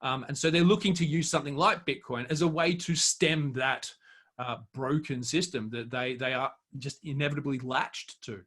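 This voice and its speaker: A man's voice: medium pitch, fairly even intonation, moderate pace, fairly bright tone. A man speaking as a guest expert in an interview, giving emphatic, argumentative commentary in an unscripted way.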